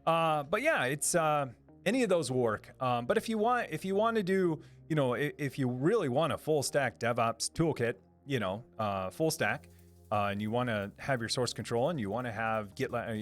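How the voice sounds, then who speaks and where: A man hosts a live stream, answering chat in an upbeat, rambling way full of fillers and restarts. Today his voice sounds a little lower than usual.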